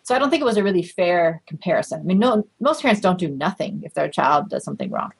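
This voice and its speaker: A middle-aged woman, a researcher, explaining findings in a measured, conversational way during an interview. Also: fairly low pitch, big pitch swings, creaky, breathy edge, low-quality recording. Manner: measured, explanatory, with light laughs and fillers. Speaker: research guest.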